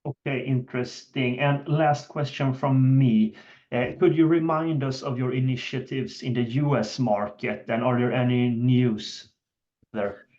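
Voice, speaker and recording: Over dull, lo-fi call audio, a male analyst puts questions in a conversational way. His voice sits at an average pitch for a man. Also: fairly even intonation, unhurried, darkish tone. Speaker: financial analyst.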